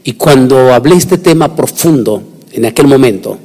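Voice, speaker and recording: A man preaching a sermon, emphatic, with sudden rises in pitch and frequent restarts. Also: expressive, moderate pace, a little mellow. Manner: emphatic, rising and falling delivery with restarts. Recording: long hall reverb.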